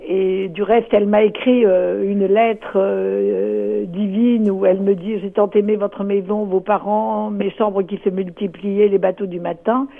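An older woman who runs a hotel, recalling the past in an interview. She speaks haltingly and restarts her sentences often. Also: mid-range voice, steady tone. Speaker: hotel owner. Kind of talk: interview recollection. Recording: tinny phone-like audio with music.

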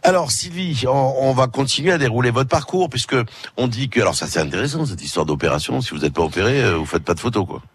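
Husky male radio host. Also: mid-range voice, animated, quick pace, dry recording. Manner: friendly, leading questions. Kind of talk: live radio interview.

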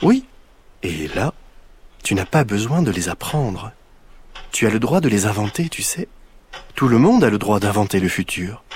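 A man voicing a kind, patient old grandmother who explains things gently in a storybook reading. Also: fairly low pitch, big pitch swings, moderate pace, pauses often, husky. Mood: playful.

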